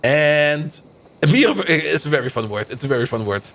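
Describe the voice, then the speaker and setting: A man's voice: fairly high pitch, normal speed, fairly bright tone. A man from Germany whose first language is Dutch, chatting casually on a live gaming stream and laughing often between remarks. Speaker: game streamer.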